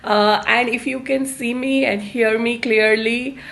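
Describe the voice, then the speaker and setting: Slow-paced woman hosting a livestream. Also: on the high side, steady tone, creaky, a bit bright. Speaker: host of a live-streamed self-help series. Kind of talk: live self-help talk to online viewers.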